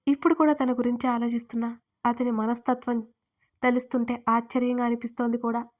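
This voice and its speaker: A woman storyteller reading an audio story as scripted narration, with even, unhurried delivery. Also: fairly high pitch.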